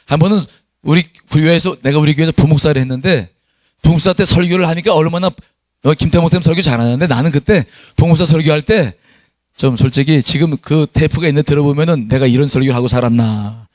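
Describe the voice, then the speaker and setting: A man's voice: fairly high pitch, quick pace, darkish tone, dry recording, studio quality. A middle-aged man preaching a sermon as pastor, reading scripture aloud with his congregation and chuckling at his own past.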